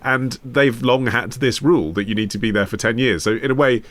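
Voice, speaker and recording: A man's voice: mid-range voice, a little fast, a bit bright. A man hosting a conversational news discussion, putting probing, inquisitive questions to the panel. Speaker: host.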